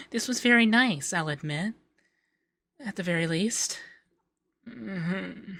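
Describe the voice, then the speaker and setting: Man playing a bright-voiced, shy, flirty femboy. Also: sits high, vocal fry, no echo, full character voice. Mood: bashful, tender. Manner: halting, stammering, coy. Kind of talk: intimate ASMR roleplay.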